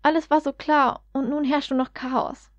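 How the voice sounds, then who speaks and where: A flustered young woman, as a woman reader voices her, talking quietly and earnestly with a slightly high pitch. The sound is dry and a bit muffled, like a homemade audio reading. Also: level tone, normal speed, no room sound, natural voice. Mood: troubled. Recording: dull, dry lo-fi recording.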